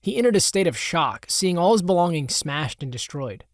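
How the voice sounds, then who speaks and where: A man reading his own comic audiobook in an even, matter-of-fact way. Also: fairly high pitch, moderate pace, dry recording, clean studio sound. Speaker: author and audiobook narrator. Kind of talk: scripted audiobook narration.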